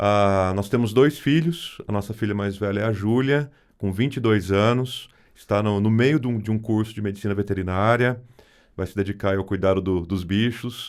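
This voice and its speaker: On a very clean recording with a silent background, a man with a fairly low voice talks at a moderate pace with ordinary pitch variation. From Brazil, interior of São Paulo state (Santa Bárbara d'Oeste). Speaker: pastor. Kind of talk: casual chat.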